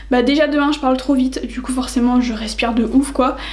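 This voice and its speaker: A woman speaks at a high pitch, with audible room echo and noticeable background noise. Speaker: YouTuber. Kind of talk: casual chat. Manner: fast; audible heavy breathing.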